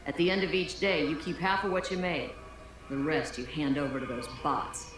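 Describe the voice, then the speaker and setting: Playing a friendly independent street vendor in a video game, a voice actor gives cheerful sales patter at a moderate pace. His medium-pitched voice stays close to everyday speech, and the game audio carries music in a spacious room.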